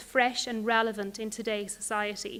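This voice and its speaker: A woman with an Irish accent and fairly even intonation at a moderate pace. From Ireland. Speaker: corporate archivist, conference keynote speaker. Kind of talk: conference keynote presentation.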